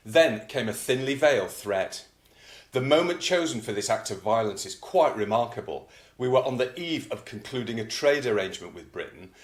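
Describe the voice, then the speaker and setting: A man presenting and reading an old news article aloud in a measured, deliberate way, with casual commentary. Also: medium pitch, echoey room.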